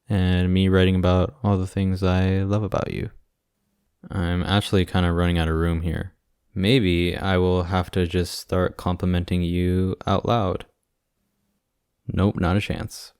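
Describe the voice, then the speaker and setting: Casting: male actor as doting young boyfriend for ASMR roleplay, low smooth voice, gently teasing. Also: level tone, a little slow, no room sound, studio quality. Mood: joking, teasing. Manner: teasing, sweet, gently joking. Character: affectionate, playful young boyfriend visiting hospitalised partner.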